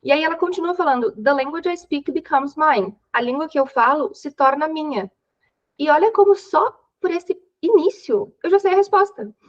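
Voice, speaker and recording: A woman's voice: high-pitched, lively intonation, moderate pace, dull audio. A young Brazilian woman who teaches English in an exam-prep class, walking through reading techniques in a chatty, step-by-step way and checking in with her students often. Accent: Brazilian Portuguese. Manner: chatty, explains step by step, frequent "né?". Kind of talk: online exam-prep lesson.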